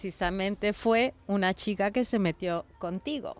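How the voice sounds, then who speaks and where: A woman co-hosting a radio show introduces audio clips in a lively way. Her voice sits at a middle pitch. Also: moderate pace. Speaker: radio co-host. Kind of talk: radio interview.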